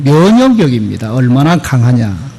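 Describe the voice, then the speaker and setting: Amid noticeable background noise and audible room echo, the speech comes at a very slow pace with very wide pitch swings. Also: man. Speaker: pastor. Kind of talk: sermon. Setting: church.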